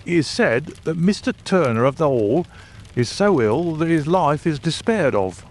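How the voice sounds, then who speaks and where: A man's voice: fairly high pitch, expressive, moderate pace, voice pushed up. A man voicing a stubborn, practical male police inspector in a storybook, emphatic and matter-of-fact. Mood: grave, informative. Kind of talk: storybook character dialogue.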